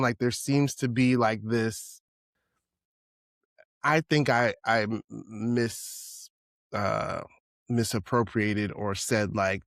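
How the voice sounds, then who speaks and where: A man's voice: medium pitch, fairly bright tone, no room sound, clean studio sound. A man co-hosting a podcast, talking casually and rambling through his thoughts, often checking in with "right?". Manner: rambling, with many restarts and "right?". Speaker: podcast co-host. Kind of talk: casual conversational podcast chat.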